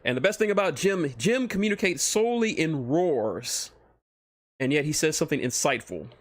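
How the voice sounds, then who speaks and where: A man's voice: fairly high pitch, animated, normal speed, dry recording. Man rambling on a livestream, close dry sound. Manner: rambling, profane, enthusiastic fan talk. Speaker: streamer, host. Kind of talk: casual livestream chat about fan fiction.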